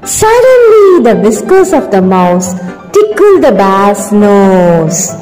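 A woman narrating a children's puppet show with expressive, drawn-out emphasis on key words. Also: medium pitch. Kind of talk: slow, expressive children's storytelling. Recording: echoey hall with background music.

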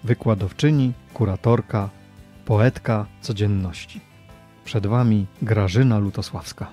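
A man's voice: on the low side, unhurried, dark tone, faint music behind. A man, speaking as a podcast host. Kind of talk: podcast introduction and interview.

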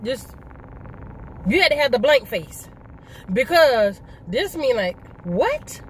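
A woman's voice: fairly high pitch, expressive, takes it slowly, a little hiss or hum, rough recording. A middle-aged woman chatting casually in a vlog, emphatic and fond of rhetorical questions and repetition. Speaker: vlogger. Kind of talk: casual mukbang conversation, storytelling.

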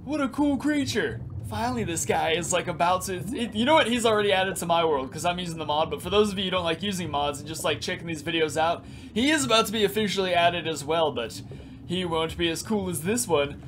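Young dude gaming commentary, raspy just-woke-up voice, kinda high pitched, headset mic, cursing and rambling a lot. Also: male voice, brisk, slight background noise. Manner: energetic, crude, rambling with lots of "like". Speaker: gaming YouTuber. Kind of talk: excited gameplay commentary.

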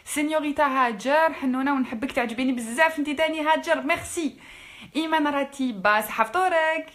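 Woman, Algerian accent, young adult, rapid chatter, fairly high pitch, casual live stream. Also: a bit bright. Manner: quick, chatty, mixing French with Algerian Arabic. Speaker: actress answering fans in a live stream. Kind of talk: casual live-stream chat reading out comments.

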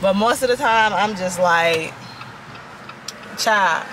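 A young adult woman vlogs casually on a phone held at arm's length, speaking at a medium pitch and slow pace. She's chatty, calls viewers "y'all," laughs often, and sounds slightly raspy from yelling at a concert. She starts inside a car and then moves into a store, and noise from both comes through.

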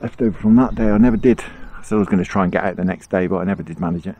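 A middle-aged Englishman with a low-pitched, rapid-fire voice keeps up a casual running commentary while fishing on a riverbank. An angling vlogger, he's chatty and relaxed, talking to himself and chuckling often. The outdoor ambience carries faint noise.

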